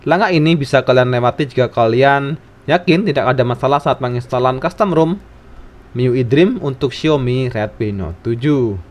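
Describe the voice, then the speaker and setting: A man's voice: medium pitch, moderate pace. Man narrating a step-by-step tutorial.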